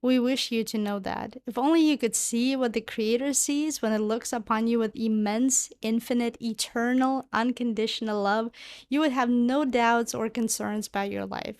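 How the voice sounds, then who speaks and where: A woman's voice: fairly high pitch, fairly even intonation, moderate pace, no room sound, studio quality. A woman delivering a channeled spiritual monologue in formal, solemn phrasing, speaking as a spiritual guide.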